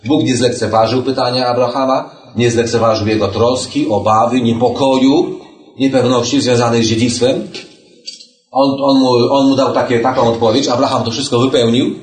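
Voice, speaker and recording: A man's voice: mid-range voice, fairly even intonation, moderate pace. A man leading a Bible study lesson, reading verses aloud and explaining them in a conversational way with rhetorical questions. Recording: echoey room, mic at a distance, faint noise.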